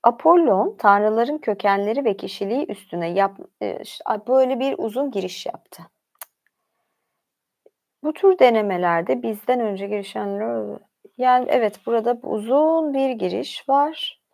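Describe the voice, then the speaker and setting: A woman with a fairly high, animated voice that carries vocal fry and a slightly mellow quality. She's hosting a livestream, reading about mythology aloud and often pausing to drop informal, conversational asides.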